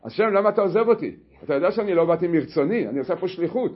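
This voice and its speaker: A man with a husky voice voicing a desperate young queen who cries out to God in a loud, pleading voice. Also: sits high, expressive, dull audio.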